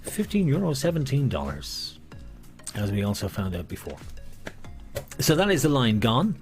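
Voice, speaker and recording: A man's voice: mid-range voice, wildly swooping pitch, normal speed, soft background music. A man working as a bingo caller and host, chatting jokily to players and calling numbers with playful nicknames, often repeating himself.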